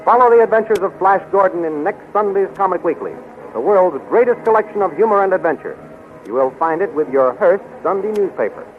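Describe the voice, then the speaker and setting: A man's voice: sits high, lively intonation, a little fast, faint music behind. A male announcer reading scripted 1930s radio narration in an emphatic, declamatory way. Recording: tinny, faintly noisy 1930s radio recording.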